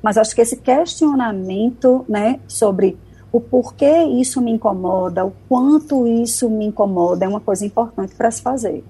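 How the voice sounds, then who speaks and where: Woman psychologist on the radio, slightly high, mellow husky voice, thoughtful, says né a lot. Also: normal speed. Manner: reflective, frequent "né" tags. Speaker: psychologist guest. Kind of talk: explaining on a radio show.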